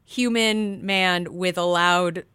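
A woman's voice: on the low side, steady tone, takes it slowly, a bit bright, clear, resonant tone, no room sound, clean studio sound. A woman co-hosting a podcast in a casual, chatty style with playful, joking asides. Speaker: podcast co-host. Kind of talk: casual chatty event preview.

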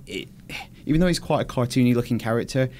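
A man's voice: mid-range voice, expressive, fast, darkish tone, slight background noise. A British man chatting casually about video games as a podcast guest, explaining things in a thoughtful way. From United Kingdom. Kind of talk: casual game discussion.

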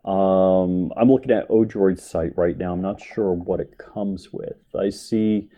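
A man's voice: deep voice, fairly even intonation, a little slow, highs cut off. A man co-hosting a casual tech chat, thinking aloud and hesitant while he looks things up.

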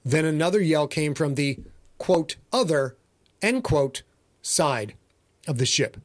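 Man, author-narrator, higher pitch, theatrical, playful delivery, dry close-miked recording. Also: lively intonation, slow, dry recording. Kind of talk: dramatic story reading and casual podcast talk.

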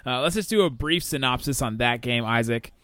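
Guy hosting a sports podcast, medium pitch, casual banter, really dry sound with no room on it. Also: lively intonation, a little fast, a bit bright, smooth, no room sound. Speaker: podcast host.

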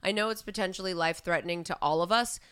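A woman's voice: fairly low pitch, fast, a bit bright, smooth. An American woman co-hosting a comedy podcast, blunt and offhand, laughing often. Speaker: podcast co-host. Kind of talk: casual comedic chat.

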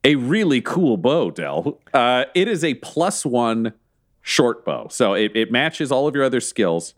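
A man's voice: mid-range voice, sing-song, unhurried. A man running a tabletop game as game master, playful and laughing often.

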